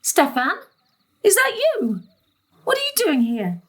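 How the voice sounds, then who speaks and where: A woman's voice: very high-pitched, huge pitch swings, slow, full character voice. An actress playing an exasperated, long-suffering middle-aged mother in a naturalistic drama, with emotional delivery. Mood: alarmed, confused. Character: harried, long-suffering mother caring for mother and daughter.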